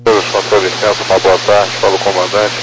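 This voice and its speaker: A man's voice: sits low, level tone, a little fast, background noise. A man, the airline captain, giving a formal, polite plane cabin announcement to welcome passengers aboard.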